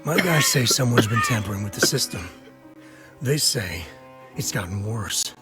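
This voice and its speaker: An actor playing a cold, mocking, volatile convict gang leader in a video game, raspy and threatening. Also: male voice, medium pitch, sing-song, normal speed, over loud music, lightly acted. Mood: cold interrogation. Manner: taunting, threatening. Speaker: villain. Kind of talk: dramatic game cutscene acting.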